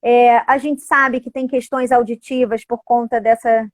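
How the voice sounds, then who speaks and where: A woman with a notably high voice talks in a lively, casual way, checking in with her listener at the end of almost every phrase. The sound is dry and close, with almost no room around her. She comes across as a middle-aged educator and mother. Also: a little slow, no echo. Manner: animated, frequent tag questions. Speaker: educator and parent. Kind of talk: casual conversational talk.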